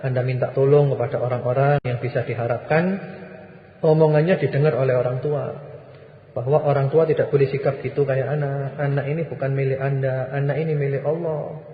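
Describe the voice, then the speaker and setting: A man's voice: medium pitch, steady tone, fairly quick. A male Islamic preacher answering listeners' questions in a firm, exhorting, repetitive manner. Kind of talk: sermon Q&A. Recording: echoey hall, muffled lo-fi recording.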